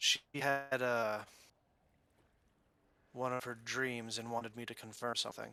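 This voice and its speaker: A man's put-on character voice at a medium pitch, solemn in tone, monotone and flat, at a moderate pace with long, frequent pauses. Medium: actual play. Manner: solemn, measured.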